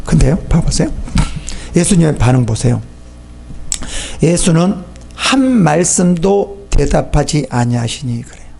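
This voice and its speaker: A man preaching a sermon as a pastor, animated and acting out the voices of people in the story. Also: fairly high pitch, vocal fry, husky.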